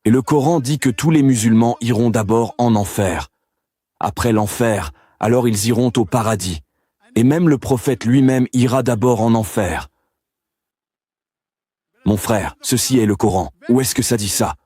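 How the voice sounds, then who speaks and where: A man's voice: mid-range voice, moderate pace, dark tone, slightly rough, dry recording. A man answering an audience question in a public debate, insistent and curt, repeating his demands.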